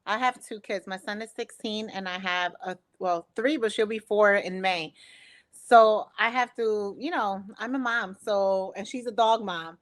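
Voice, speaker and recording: A woman's voice: mid-range voice, unhurried. A woman from Philadelphia in her thirties, co-hosting a casual chat, earnest and explaining things at length. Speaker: co-host, travel agent.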